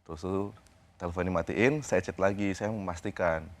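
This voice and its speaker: A young man, a guest on a TV interview, recounting events in a halting, informal way. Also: sits low. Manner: halting, informal, retells conversations step by step.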